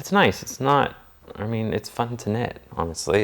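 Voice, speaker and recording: Mumbling at a moderate pace, a man uses a fairly low pitch with ordinary pitch variation. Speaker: knitting vlogger. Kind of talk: casual vlog talk to camera.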